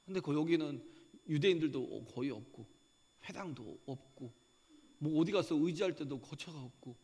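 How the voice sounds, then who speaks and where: Male pastor, middle-aged, high voice, husky tone, sermon with questions to the congregation, long hall reverb. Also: moderate pace. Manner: animated preaching with rhetorical questions and frequent "예?". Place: church sanctuary.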